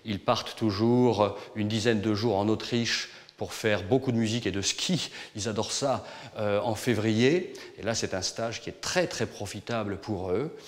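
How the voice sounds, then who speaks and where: A lowish male voice with a long reverberant tail answers interview questions as a choir director. He speaks in a measured way, pausing and repeating words as he searches for them.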